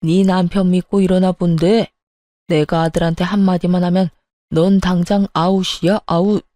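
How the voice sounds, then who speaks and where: A woman's voice: on the low side, level tone, moderate pace, mellow, no echo, natural voice. A woman voicing a domineering older father-in-law in a radio story, stern and scolding. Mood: stern angry.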